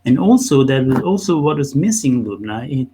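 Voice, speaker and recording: A business owner from Nepal speaks in a conversational interview, halting and doubling back on words as he weaves rhetorical questions into his stories. His ordinary mid-range male voice is sing-song and dark at a moderate pace, on poor audio with a little hiss or hum.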